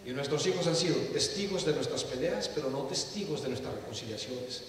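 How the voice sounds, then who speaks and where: A man's voice: on the high side, lively intonation, fairly quick, a little hiss or hum. A man preaching a sermon to a live congregation, impassioned and putting questions straight to the listeners. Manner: impassioned, questions the audience directly. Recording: echoey hall, voice from a distant mic.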